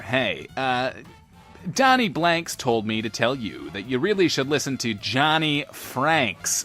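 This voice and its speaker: A vain, smooth-talking radio show host from an audio drama. His florid patter swells and dips theatrically in a medium register, with faint music underneath. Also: medium pitch, fairly bright tone.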